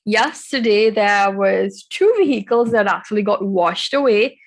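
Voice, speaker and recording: A woman co-hosts a podcast in an even, measured way. She speaks at a mid pitch for a woman and sounds steady and cautious rather than excitable. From Trinidad and Tobago. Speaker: podcast co-host. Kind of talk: casual chat.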